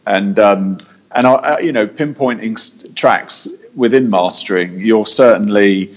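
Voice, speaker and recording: Low-voiced man hosting in an echoey room. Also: a little slow. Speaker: podcast host and audio engineer. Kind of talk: casual technical podcast chat. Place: meeting room at a gym.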